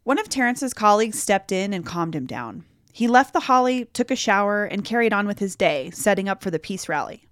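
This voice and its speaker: A woman host narrating a scripted news story in a clear, measured way. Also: mid-range voice, big pitch swings, fairly bright tone, no room sound, studio quality. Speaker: podcast host. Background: music.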